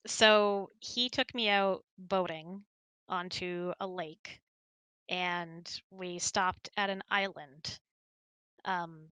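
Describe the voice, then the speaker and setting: A woman's voice: fairly low pitch, pushed and bright, clean tone, no room sound. A woman in her thirties, giggly and chatty, hosting a casual question-and-answer hangout. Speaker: host. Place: indoors, close and dry online voice hangout.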